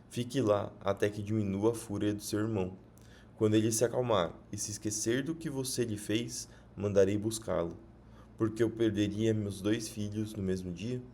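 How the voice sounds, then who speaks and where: A man's voice: lowish voice, dark tone, slight background noise, natural voice. A man reading the lines of a worried mother warning her son to flee.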